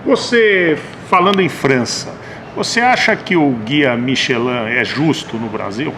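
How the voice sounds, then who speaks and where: A Brazilian-accented man puts questions to a guest as interviewer. His pitch moves in a very lively way, and there is clear ambient noise behind his voice. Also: a little slow. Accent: Brazilian Portuguese. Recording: clearly noisy background ambience.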